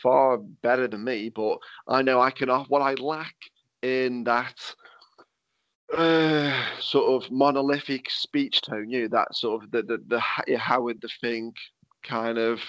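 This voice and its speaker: A man's voice: mid-range voice, steady tone, a little slow, fairly bright tone, dry recording. A man with a slight lisp hosting a podcast, asking rambling questions full of fillers. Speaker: podcast host. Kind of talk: casual chat. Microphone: remote call. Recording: dull lo-fi call audio.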